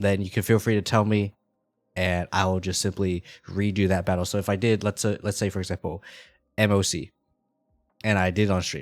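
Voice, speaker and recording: Music plays in the background as a man with a fairly low pitch speaks with long, frequent pauses. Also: fairly quick pace. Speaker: vtuber streamer. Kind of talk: live game stream commentary. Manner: stammering; animated.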